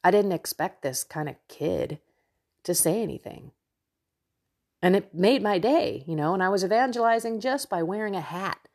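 A woman's voice: mid-range voice, animated, normal speed, a little mellow. A woman with a slightly nasal, congested voice hosting a Christian podcast, chatting casually and effusively straight to her listeners in a devotional monologue.

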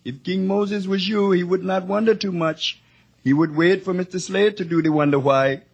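A man playing a loyal, gentle and droll hotel helper in a 1950s radio drama. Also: high voice, steady tone, moderate pace, creaky, breathy edge, dull audio, heavily acted. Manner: refers to himself in third person, droll.

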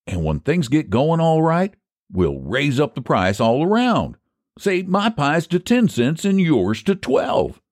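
A man's voice: medium pitch, no room sound, studio quality, voice pushed up. A man voicing a scheming, homespun rural American pie baker, folksy and persuasive, in a storybook reading.

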